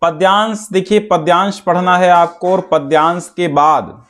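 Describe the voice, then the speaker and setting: A man teaching an exam-prep lesson, explaining step by step and reciting verse slowly. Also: high voice, steady tone, fairly bright tone.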